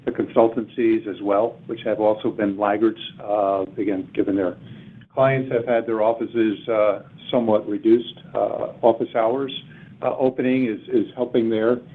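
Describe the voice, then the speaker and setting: A man speaking as an executive on an earnings call, with a halting, deliberate delivery that often repeats words. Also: lowish voice, fairly even intonation, slightly rough. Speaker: airline executive answering analysts. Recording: thin phone-line conference call audio.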